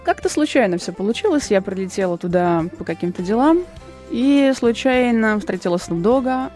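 A woman, a singer and TV presenter, telling her story as a guest in a radio interview in an unhurried, relaxed way. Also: medium pitch. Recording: radio studio with faint music behind.

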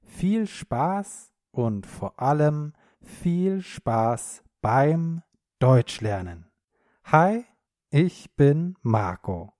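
A native German man hosting a podcast for learners, speaking clearly in an upbeat, encouraging way. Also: a little high, very animated, drawn-out words, a little mellow, no room sound, clean studio sound. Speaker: podcast host and language teacher.

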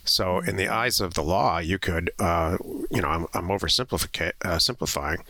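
A man's voice: low voice, moderate pace, sharp tone. An American man co-hosting a land investment show, explaining things in a casual, blunt, informal way. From western United States. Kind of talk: casual podcast talk and explanation.

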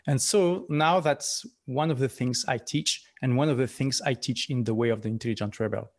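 A French man talks in English as a podcast guest, with a medium-pitched voice. He speaks earnestly and often restarts words, filling his pauses with "uh" and "you know". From France. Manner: earnest, repeats words when starting sentences, fillers "uh", "you know". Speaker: entrepreneur and author, guest. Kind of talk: podcast interview.

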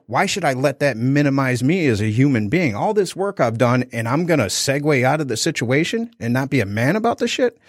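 A man's voice: medium pitch, big pitch swings, fairly quick, few pauses, dry recording. Candid man telling a story, dry sound. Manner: candid storytelling, acts out quotes. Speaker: podcast co-host. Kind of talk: casual podcast chat.

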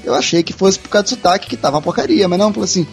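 With soft music in the background, a Mineiro man from Minas Gerais, Brazil, races through stories in a high voice, laughing and swearing during a casual podcast chat. He speaks with a Mineiro Brazilian Portuguese accent and works as a video dubber besides being the show's guest.

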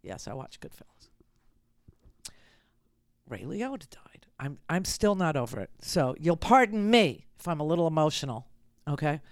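Middle-aged woman talk host: smooth clear voice, dry close mic, blunt and sardonic. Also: low voice, very animated, normal speed, dry recording. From United States. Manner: sardonic, blunt, repeats phrases for emphasis. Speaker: radio talk show host. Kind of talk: political talk radio monologue.

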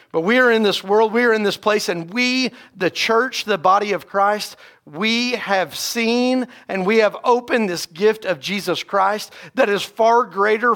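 Associate pastor, man, a bit raspy from a sore throat; conversational sermon delivery, fairly high voice, keeps checking in with "right?". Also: a bit bright. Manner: conversational preaching, frequent "right?" asides and restarts. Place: church sanctuary.

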